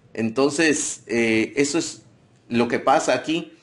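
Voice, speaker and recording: A man speaks at a medium pitch with a Yucatán accent, and his pitch varies in an ordinary way. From Yucatán Peninsula, Mexico (Maya community). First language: Yucatec Maya (speaking Spanish). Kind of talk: interview. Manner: halting, many repetitions.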